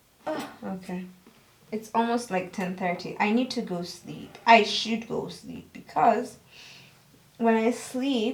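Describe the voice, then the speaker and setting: Over noticeable background noise and audible room echo, a woman speaks at a very slow pace with long, frequent pauses. Her fairly high voice has ordinary pitch variation and big swings in loudness. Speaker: vlogger. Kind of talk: casual vlog talk to camera. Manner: halting.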